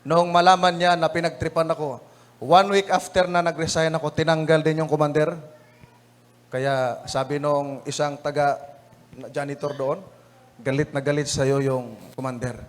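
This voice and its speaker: High-pitched laughing Filipino evangelist. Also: male voice, steady tone, normal speed. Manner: chatty, laughing, often says "mga kapatid". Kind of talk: Filipino sermon lesson review with anecdotes.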